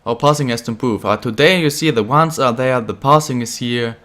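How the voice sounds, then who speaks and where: A young man who is a bit ill, chatting casually while commentating his own football video game career, getting excited at goals. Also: medium pitch, a little fast. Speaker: gaming channel host.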